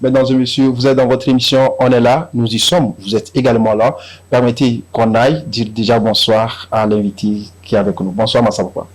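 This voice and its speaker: A man with a Togolese French accent hosting a TV talk show, greeting viewers and his guest in a lively, formal presenter's manner. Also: medium pitch, fairly quick, rough recording.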